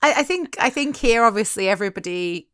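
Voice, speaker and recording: A woman in her forties from the Black Country, with a softened Black Country English accent, co-hosting a podcast in a giggly, rambling and candid way. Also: on the high side, expressive, fast talker, smooth, no room sound, clean studio sound. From Black Country, England. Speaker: podcast co-host, teacher. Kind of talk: casual podcast chat.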